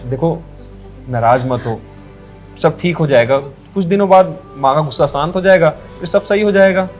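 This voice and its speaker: A man's voice: on the high side, moderate pace, faint music behind, close to an everyday voice. A man playing an earnest young husband who soothes his wife and stands up to his mother. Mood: soothing. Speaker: son and husband. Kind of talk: rural Hindi film drama.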